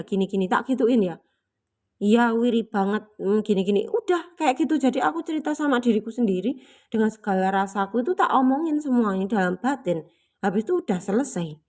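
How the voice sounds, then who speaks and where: Lady doing a chatty spiritual talk, gentle, lots of filler words, kinda high voice.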